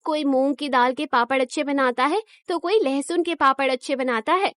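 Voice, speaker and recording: A woman voicing a friendly, even-tempered village woman who talks in a soothing, persuasive way in a cartoon story. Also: high-pitched, moderate pace, no echo, studio quality, lightly acted.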